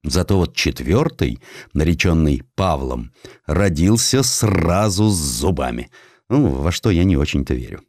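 Male audiobook narrator, very low register, lively intonation, theatrical pauses, dry studio sound. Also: dry recording. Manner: theatrical, expressive delivery with dramatic pauses. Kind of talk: dramatized storytelling, scripted narration of a historical sketch.

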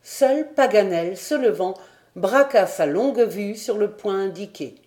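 Woman reading an old adventure novel out loud, dramatic, warm mellow voice. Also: mid-range voice, animated, a little slow. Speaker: audiobook reader. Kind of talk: literary audiobook narration.

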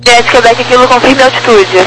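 A Brazilian-accented air traffic controller speaks in clipped, procedural phrases over a crackly, military-style radio. The pitch is mid-range, and a clear hum and static run under the voice. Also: fast talker. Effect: crackly aviation radio.

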